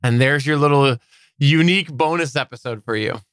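A man's voice: mid-range voice, fairly quick, a bit bright, clean tone, dry recording. A man co-hosting a podcast, chatting casually with dry humor. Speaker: podcast co-host.

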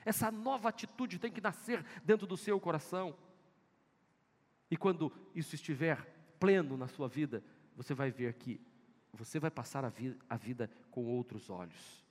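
A man's voice: on the high side, normal speed. A male pastor with a Northeastern Brazilian accent, preaching an emphatic sermon full of repeated exhortations in a church. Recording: echoey church hall.

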